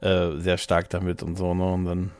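A man's voice: deep voice, completely flat delivery, normal speed, clean tone. A man chatting casually as a podcast host, rambling and jokey, often interrupting himself. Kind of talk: casual chat about games and films.

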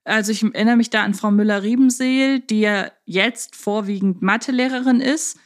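A woman's voice: mid-range voice, moderate pace. A woman co-hosting a podcast, reasoning casually with dry humour. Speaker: podcast co-host.

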